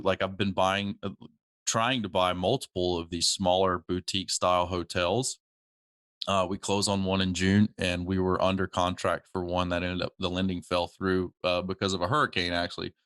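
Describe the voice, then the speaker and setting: A man's voice: sits low, a bit bright, dry recording, studio quality. A man hosting a podcast in casual chat, telling stories animatedly, laughing often and mimicking other people's voices. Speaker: podcast host.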